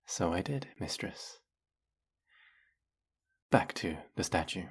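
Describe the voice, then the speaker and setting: A man's voice: low-pitched, animated, slow, slightly rough, full character voice. A man playing a devoted, flirty demon familiar in a fantasy audio drama, grandiose and reverent in manner. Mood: flirty, worshipful. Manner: grandiose, theatrical, reverent, obsequious.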